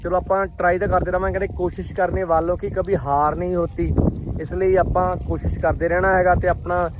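A man's voice: high voice, flat delivery, quick pace. A man from Punjab, India, talking casually to his viewers as friends while vlogging outdoors in farm fields on a handheld phone. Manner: chatty, talks straight to viewers as friends. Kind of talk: casual vlog chat. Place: outdoors in rural farm fields, on a motorbike and walking. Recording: outdoor phone audio with clear wind and field noise.

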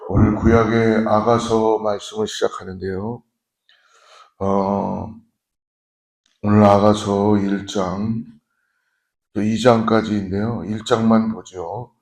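A male pastor giving an early morning sermon, speaking slowly and measured with frequent pauses and fillers. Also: on the low side, little pitch movement, a little mellow. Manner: slow measured preaching with fillers.

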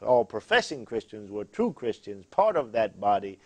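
A man's voice: lowish voice, very animated, moderate pace, darkish tone, no echo. A man from Iraq hosting a Christian studio talk show, preacherly, with frequent "amen" and "uh" fillers.

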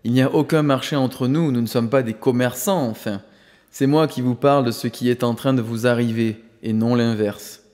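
A man's voice: medium pitch, fairly even intonation, moderate pace, darkish tone, close to an everyday voice. Serene guru, firm and solemn, read by a man in a long-echoing space. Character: calm commanding male spiritual master.

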